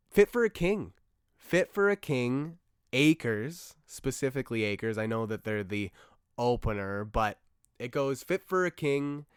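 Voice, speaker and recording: A young man rambling through a solo podcast episode, rushing into excited bursts and trailing off into asides. His voice sits in a middle pitch with a smooth, resonant core, though it has gone a little rough. The sound is dry and close, with no room around it. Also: no room sound. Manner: enthusiastic, rambling, with frequent fillers and asides. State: slightly rough, losing his voice. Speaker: podcast host.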